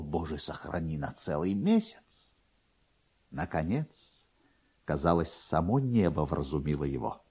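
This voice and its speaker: Male narrator, theatrical delivery, wide swings of pitch, medium register, dull archive radio recording. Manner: theatrical, expressive. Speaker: story narrator and actor. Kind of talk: dramatic literary narration.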